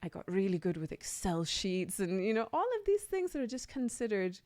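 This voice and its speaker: A woman from Denmark speaks as a coach being interviewed on radio. Her pitch sits in the middle, and she is earnest and emphatic, repeating phrases and seeking agreement. The studio sound is close and very dry. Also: sing-song, a little fast, a little mellow, no echo. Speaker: radio guest, leadership and personal development coach. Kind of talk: reflective conversational interview.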